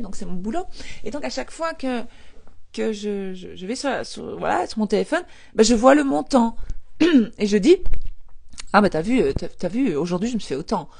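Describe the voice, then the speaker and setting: A manifestation coach with a somewhat high, gravelly voice leads viewers through affirmations on a live stream. She's chatty and lively, repeats phrases, laughs a lot and reads viewer comments out loud.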